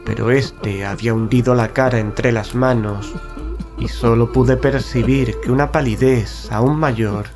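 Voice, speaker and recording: A man playing an uneasy, observant gentleman who narrates a gothic horror tale in a measured, solemn way. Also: medium pitch, close to an everyday voice. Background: music.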